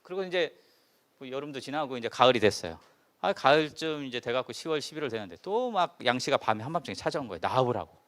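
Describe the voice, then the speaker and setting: Male preacher, sermon storytelling, very lively up-and-down pitch, asks the congregation questions. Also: fast. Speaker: pastor. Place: church service.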